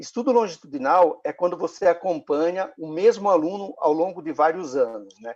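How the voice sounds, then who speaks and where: With a rural São Paulo accent, a man talks at a moderate pace in a high voice, with lively intonation, hardly any pauses and big swings in loudness. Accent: São Paulo countryside (caipira). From interior of São Paulo state, Brazil. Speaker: education researcher. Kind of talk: academic presentation. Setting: video call. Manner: halting, many repetitions and fillers. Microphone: phone camera, recording from phone.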